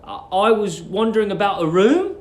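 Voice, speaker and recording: A man voicing a polite, hesitant young English gentleman who speaks courteously with some stammering. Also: sits high, big pitch swings, normal speed, reverberant, voice pushed up. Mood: nervously polite.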